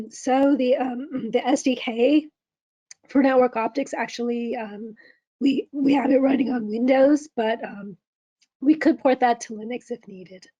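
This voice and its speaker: A woman presenting a software demo in a webinar, halting with many ums, her voice going hoarse as she keeps clearing her throat. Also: fairly high pitch, no echo. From California. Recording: dull, lo-fi webinar audio.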